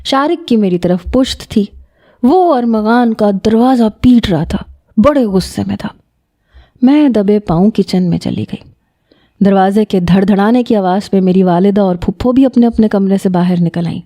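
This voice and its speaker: Calm woman telling a romance story. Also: medium pitch. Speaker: narrator. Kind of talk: first-person romance novel narration.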